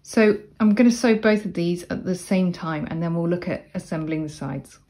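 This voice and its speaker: A woman explaining sewing steps in a casual, chatty tutorial voice-over, with relaxed asides. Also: fairly low pitch, moderate pace, over music. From Cornwall, England. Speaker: sewing instructor. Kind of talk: casual step-by-step tutorial narration.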